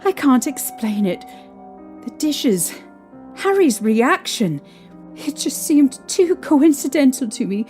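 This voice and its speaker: A woman's voice: sits high, big pitch swings, a little mellow, exaggerated voice. A woman voicing a shaken young mother. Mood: troubled. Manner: hesitant, halting recollection with restarts. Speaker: interviewee recounting events. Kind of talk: fan audio drama acting. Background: faint music.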